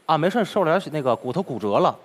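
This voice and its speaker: Man, crosstalk performer, animated storytelling, widely moving pitch. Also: quick pace. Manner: animated, retells dialogue with lively swings. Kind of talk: emotional storytelling in an interview.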